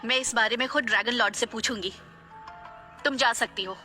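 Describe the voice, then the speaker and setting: A woman's voice: a little high, brisk, pushed and bright, faint music behind. A woman voicing a haughty, scheming goddess who speaks in an arrogant, sneering way.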